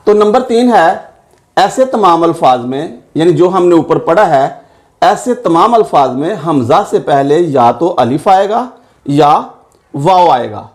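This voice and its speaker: A man teaching a grammar lesson, spelling words out letter by letter and repeating each example slowly. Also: a little high, expressive.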